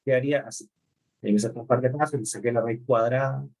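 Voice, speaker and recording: A man's voice: mid-range voice, steady tone, quick pace, a little mellow. A male chemistry lecturer, explaining step by step in an online class and often checking in with his students. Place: remote class.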